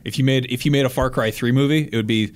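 A male podcast host talks quickly in a mid-pitched voice. He chats casually in a small studio, with clear background noise behind him. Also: fairly even intonation. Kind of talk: casual chat.

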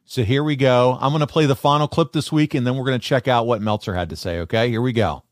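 A man's voice: mid-range voice, quick pace, no room sound, clean studio sound. A man hosting a podcast in a casual, chatty way. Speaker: podcast host.

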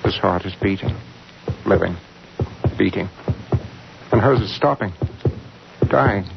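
An actor playing a domineering, murderous village doctor in an old-time radio drama, speaking in an intense, commanding, clipped manner. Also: male voice, lowish voice, slow pace, vocal fry. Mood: morbid, feverish. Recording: dull vintage radio recording, loud music.

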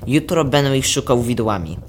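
A man's voice: mid-range voice, lively intonation, moderate pace, lightly acted. A naive boy acted by a young male performer in a radio drama. He speaks simply and earnestly in a youthful voice, with faint noise in the background. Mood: shy, caring. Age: child or teenager. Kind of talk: radio play acting.

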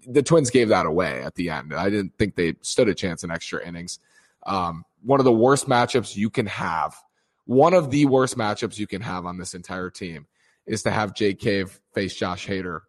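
Hoarse man rambling through a game recap. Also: fairly low pitch. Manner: rambling, many fillers and restarts. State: strained voice from screaming. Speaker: sports commentator. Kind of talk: casual baseball recap.

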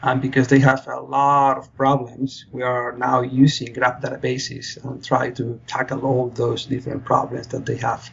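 This podcast guest, a young Spanish doctoral student, answers interview questions about his work in a completely flat, gravelly, medium-pitched voice at normal speed with few pauses. He's earnest but keeps using fillers and restarting, and the muffled recording has a little hiss or hum.

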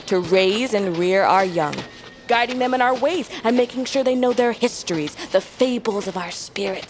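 A woman's voice: mid-range voice, a little hiss or hum, natural voice. A woman playing a proud, resentful young female tribal butcher who also describes her camp. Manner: terse, resentful, storytelling.

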